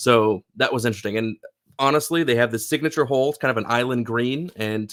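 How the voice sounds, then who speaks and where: A man speaks at a fairly quick pace in a bright, sharp tone, on a very clean recording with a silent background. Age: 30s. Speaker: golf content creator. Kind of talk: casual chat.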